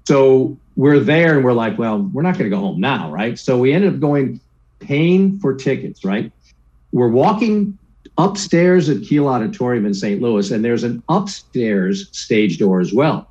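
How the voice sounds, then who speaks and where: A man in his sixties tells stories from his career in a casual interview, mimicking the people he quotes. His voice is dark and mellow. The audio sounds a little muffled and lo-fi. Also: mid-range voice, measured pace. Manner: lively anecdotes, acts out quoted voices, keeps asking "right?". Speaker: guest, sports broadcaster.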